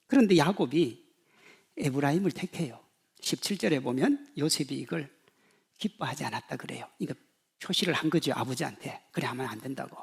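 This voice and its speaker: A pastor in his fifties preaching a sermon, swinging from loud emphasis to hushed asides and acting out quoted voices. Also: fairly high pitch, creaky, slightly rough. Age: 50s.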